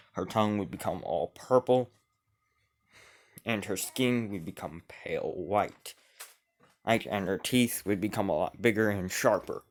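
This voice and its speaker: A male storyteller improvising a fan story aloud, slow and rambling, often restarting sentences. His delivery is unhurried and casual. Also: fairly low pitch.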